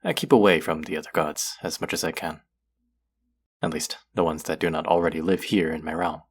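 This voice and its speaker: A man acts out a guarded god of the underworld in an intimate audio roleplay. The voice is very low and gravelly, with formal, wry phrasing that hides a soft, lonely streak. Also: a little fast, exaggerated voice. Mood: cautioning, guarded. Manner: formal, wry, guarded, addressing the listener directly.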